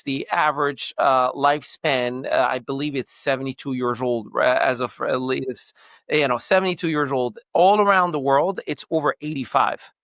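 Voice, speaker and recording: A man's voice: medium pitch, fairly bright tone, no echo. A man from Morocco hosting a casual podcast and telling stories earnestly, with a few fillers.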